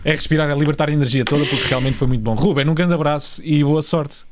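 A man's voice: on the high side, fast talker. A Portuguese man co-hosting a show with casual, bantering talk. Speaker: show co-host. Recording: clear background noise and clicks.

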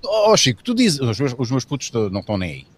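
A man's voice: medium pitch, huge pitch swings, quick pace, darkish tone, slightly rough. A middle-aged man hosting a casual group chat in a blunt, slangy, repetitive way. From Portugal. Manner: blunt, slangy, repeats phrases. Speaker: host.

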